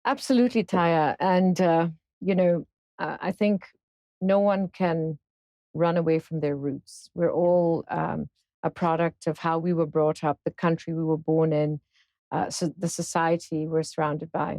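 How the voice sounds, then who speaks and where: A woman in her fifties from Singapore, a guest in an interview, speaking thoughtfully with many pauses and fillers. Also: low voice, fairly even intonation, warm tone, no echo. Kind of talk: casual interview conversation.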